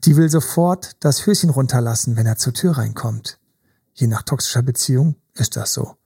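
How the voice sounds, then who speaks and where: A man's voice: medium pitch, moderate pace, gravelly, mellow, husky. A man talking as a relationship coach in casual podcast conversation, emphatic and repetitive, building vivid images.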